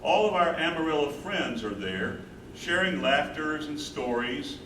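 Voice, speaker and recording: Staged reading: loving, troubled husband played by a male actor, higher-set voice, noisy roomy recording. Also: expressive, a little slow. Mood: haunted, reflective. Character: devoted husband and carer, loving, troubled, reflective. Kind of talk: staged reading, dramatic monologue. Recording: echoey distant stage recording, clear noise.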